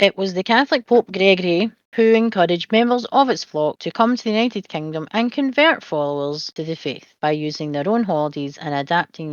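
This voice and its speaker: Very wide pitch swings from a woman at a fairly quick pace. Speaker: podcast host. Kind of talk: casual podcast monologue.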